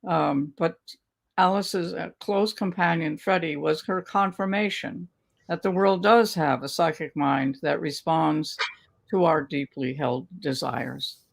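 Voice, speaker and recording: An older woman reading her own memoir aloud over a video call from a home study, with a measured, unhurried storytelling manner. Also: low voice, creaky. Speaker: author reading her work. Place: home study lined with bookshelves. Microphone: video call webcam.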